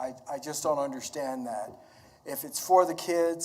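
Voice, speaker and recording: At a moderate pace, a man with an American accent and a normal speaking voice talks at a fairly high pitch. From Wichita, Kansas. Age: 60s. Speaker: public commenter. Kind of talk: public hearing testimony. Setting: public hearing.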